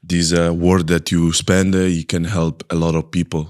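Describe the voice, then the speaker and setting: Casting: Italian podcast host, very deep voice, non-native English, pauses to find words. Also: male voice, flat delivery, a little mellow. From Italy. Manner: halting, searching for English words. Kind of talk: interview questions.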